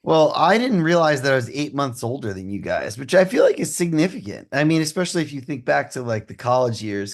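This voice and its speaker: A man's voice: medium pitch, gravelly. A man in his forties co-hosting a podcast, chatting casually and making wry, teasing asides. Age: 40s. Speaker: podcast co-host.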